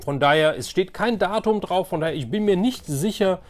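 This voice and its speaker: A man's voice: sits high, animated, a little fast, soft background music. A man chatting casually and enthusiastically to viewers as he hosts a collecting video, often repeating words for emphasis. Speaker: host of a toy collecting video channel.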